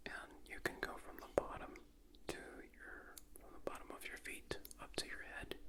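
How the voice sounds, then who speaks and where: Noticeable background noise behind whispering. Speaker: meditation guide. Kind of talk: ASMR meditation guide. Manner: whispered, soft.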